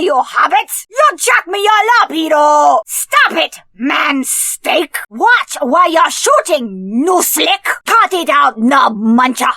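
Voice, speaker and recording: High-pitched, sassy action-game heroine. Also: female voice, bright, forceful tone, no room sound, clean studio sound, full character voice. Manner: cocky, flirty, slangy. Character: brash, sassy, trigger-happy female action sidekick. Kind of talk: video game voice acting.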